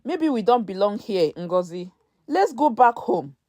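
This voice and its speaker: A woman's voice: mid-range voice, very animated, unhurried, mellow. A woman storyteller voicing a discouraged, bitter young immigrant woman who complains and questions plaintively. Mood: disappointed.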